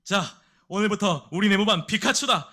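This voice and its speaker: A man's voice: a little high, wildly swooping pitch, quick pace, full character voice. A man voicing a brash young army sergeant who barks commands like a cartoon trainer. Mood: bossy.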